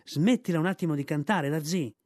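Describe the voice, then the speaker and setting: A man's voice: on the high side, fairly quick, a little mellow, no echo, studio quality, lightly acted. A man doing a brusque, bold young mongoose. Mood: impatient. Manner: brusque, commanding. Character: brave young male mongoose, bold and impatient.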